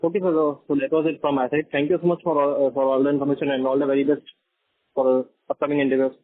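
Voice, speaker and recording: A man's voice: mid-range voice, little pitch movement, quick pace, dry recording. A man, asking questions as an investor on an earnings call. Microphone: phone call. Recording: dry, thin phone line.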